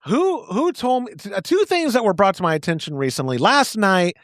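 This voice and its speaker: In a studio-quality recording with no echo, a podcast co-host talks in a sing-song, fairly quick, high-sitting and slightly bright voice. He banters casually, mocks himself, slips into silly sung bits, and then does a sponsor ad read.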